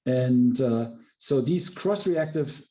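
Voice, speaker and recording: A man speaking as a company executive answering questions on an earnings call, explaining in a halting way with repeated words. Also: mid-range voice, a little mellow, rough recording.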